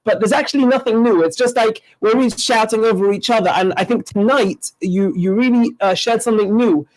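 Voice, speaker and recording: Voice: mid-range voice, brisk, darkish tone, poor audio. A co-host wrapping up an interview in a chatty, joking way with a few stammers. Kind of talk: conversational wrap-up.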